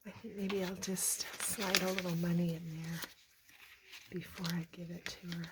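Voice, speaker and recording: A middle-aged woman with a hoarse, croaky voice, casually showing handmade journals. She talks softly and often slips into a whisper. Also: fairly low pitch, flat delivery, normal speed, heavy background noise. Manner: soft-spoken, often drops to a whisper. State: hoarse, recovering from a cough. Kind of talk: casual show-and-tell narration.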